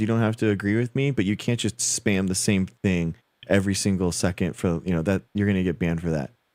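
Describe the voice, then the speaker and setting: A man talks in an unremarkable speaking voice. He keeps a fairly quick pace with ordinary pitch variation. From Southern California. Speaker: science talk show host. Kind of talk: call-in show chat.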